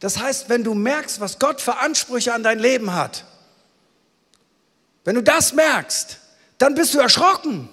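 A male pastor preaching a sermon in an earnest, pleading way, moving between loud exclamations and quiet, intimate passages. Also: extremely high pitch, expressive, a little slow, pauses often, in a large hall.

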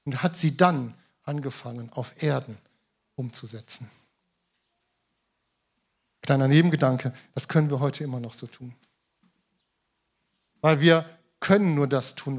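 A man preaching a sermon, lively and shifting from loud emphasis to soft, quiet asides. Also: mid-range voice, slightly rough. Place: church in Hamm.

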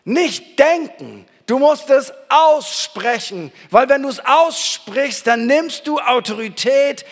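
A man preaching a fervent sermon, swinging between shouting and quiet, intense declarations. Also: very high-pitched, animated, takes it slowly. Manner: shouting with fervor, then dropping to quiet declarations. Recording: reverberant hall.

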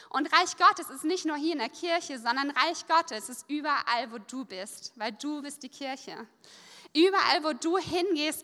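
A woman preaching a sermon in a lively, conversational way, pausing so an interpreter can follow. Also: high voice. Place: church service hall. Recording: long reverb of a church hall.

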